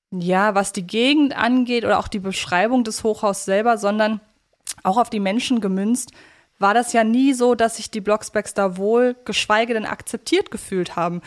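A woman co-hosting a podcast, talking casually and analytically in a reflective, elaborating way. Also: medium pitch. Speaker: podcast co-host. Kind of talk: casual analytical podcast talk about an audio drama series.

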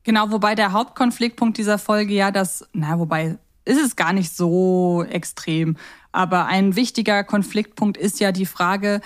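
A woman's voice: medium pitch, fairly even intonation, normal speed. A woman co-hosting a podcast, chatting casually and enthusiastically as a fan of audio dramas. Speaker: podcast co-host. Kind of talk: casual chat about children's audio dramas.

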